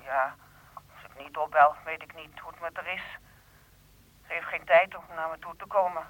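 A woman's voice: low voice, moderate pace, fairly bright tone. An older woman acting in a radio drama, playing an anxious, irritable mother who is impatient and complains. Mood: anxious, defensive. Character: anxious, irritable elderly mother with aching legs. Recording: dull lo-fi old radio play recording.

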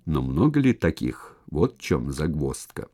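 A man narrating a historical novel as an audiobook in an even storytelling manner. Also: rumbling low, a little slow. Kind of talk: scripted narration.

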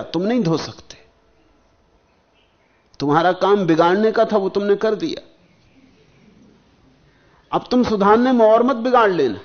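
A man giving a spiritual discourse, speaking in slow rhythmic phrases that swell and sink, and chanting verses slowly. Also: high voice, highs cut off. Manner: slow, rhythmic, rising and falling emphasis. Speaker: spiritual teacher.

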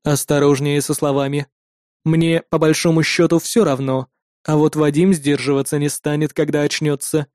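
A man reading an audiobook who voices a calm, terse male combat android, speaking in a cold and measured way. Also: on the high side, no room sound, clean studio sound, voice pushed down. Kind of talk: audiobook character voice.

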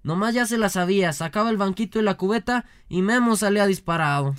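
A man plays a cocky, clueless job seeker who brags in slangy Mexican street talk and rambles from one boast to the next. His voice is smooth and full, recorded close and dry with no room sound, like a radio comedy sketch. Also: sits high, quick pace, no echo, natural voice. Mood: boastful.

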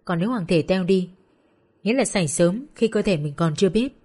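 A woman's voice: medium pitch, a little fast, lightly acted. A woman voicing a caring male doctor who earnestly urges and explains. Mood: explaining. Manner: calm, earnest persuading.

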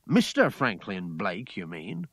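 A man's voice: mid-range voice, lively intonation, fairly quick, dry recording, lightly acted. A man playing a loyal older household servant in a story, earnest and plain-spoken. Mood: indignant.

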